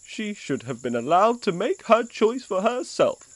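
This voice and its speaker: A man's voice: sits high, very animated, measured pace, no room sound. A man playing a kindly, earnest, wronged man with a pumpkin for a head in an amateur audio drama. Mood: reproachful.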